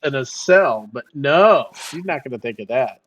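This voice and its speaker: A man's voice: medium pitch, animated, moderate pace, a bit bright, far from the mic, poor audio. A man playing a tabletop game, earnestly explaining what his character thinks. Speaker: player. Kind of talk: casual tabletop play.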